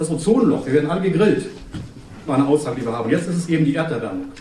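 There is audible room echo around this man's voice. He talks at a very fast pace with a fairly high pitch. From Brandenburg, Teltow. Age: 50s. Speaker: politician. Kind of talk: campaign speech; interview.

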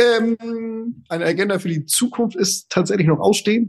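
This man's voice has a dark, mellow tone. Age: 40s. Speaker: managing director of family business. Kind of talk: interview.

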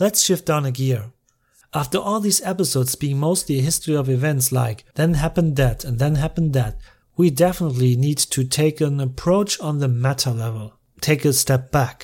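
A somewhat breathy voice with a German accent speaks at a moderate pace with ordinary pitch variation, on a very clean recording with a silent background. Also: man, fairly high pitch for a man. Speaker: podcast host, history narrator. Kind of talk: scripted narration.

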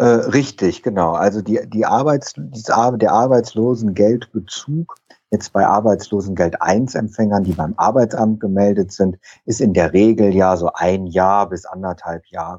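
A man with a plain, everyday voice speaks at a fairly low pitch. He goes at a fairly slow pace with ordinary pitch variation. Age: 40s. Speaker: business startup coach. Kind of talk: casual interview. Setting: video call. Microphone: Teams call audio quality sometimes poor.

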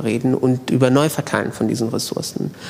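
A man talks fairly quickly with fairly even intonation while noticeable background noise runs behind him. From Germany and Morocco. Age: 30s. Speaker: journalist and author. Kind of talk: panel discussion. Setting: stage with audience.

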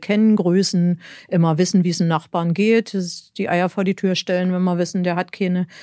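A woman at medium pitch and a moderate pace with a normal speaking voice, on a very clean recording with a silent background and a dry, close sound with no echo. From eastern Germany, Spreewald (Lusatia). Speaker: psychology professor. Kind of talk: interview. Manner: frequent tag 'ne?'.

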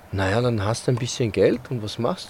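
Very fast, lively-intoned speech from a man at a medium pitch. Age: 50s. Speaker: tennis coach and career coach. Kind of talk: interview, casual chat.

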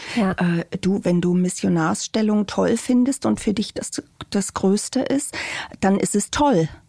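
A woman speaks very slowly with lively intonation and a dark, mellow, somewhat breathy tone. The sound is dry and close, without echo. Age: 50s. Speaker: escort. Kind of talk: casual chat.

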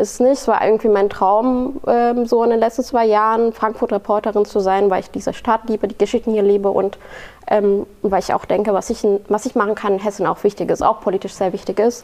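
A woman talks fairly quickly in a fairly high pitch, her intonation fairly even, with noticeable background noise behind her. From abroad, migrant to Germany. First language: not German (speaking German). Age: 20s. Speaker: journalist. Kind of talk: interview.

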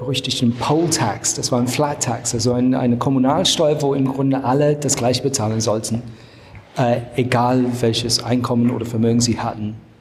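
A man with an English accent speaks at a medium pitch and a moderate pace. His intonation is monotone and flat, with noticeable background noise. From London, England. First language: English (speaking German). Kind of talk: interview.

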